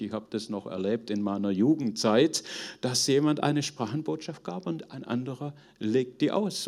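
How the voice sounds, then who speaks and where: A man's voice: medium pitch, a little mellow. Middle-aged man preaching informally. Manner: earnest, conversational, halting search for words. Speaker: preacher teaching on spiritual gifts. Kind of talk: informal sermon teaching to a group.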